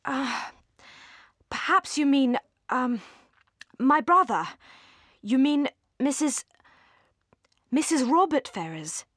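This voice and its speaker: A woman voicing an embarrassed young Regency gentleman in an audiobook, stammering politely. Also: very high voice, lively intonation, slow pace, pauses often, no room sound, studio quality, voice pushed up, full character voice. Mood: flustered, surprised.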